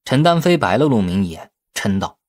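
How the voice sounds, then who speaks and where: A man's voice: on the low side, sing-song, a little fast, a little mellow, no echo, studio quality. A man reading a novel aloud as a scripted narration, in the role of audiobook narrator.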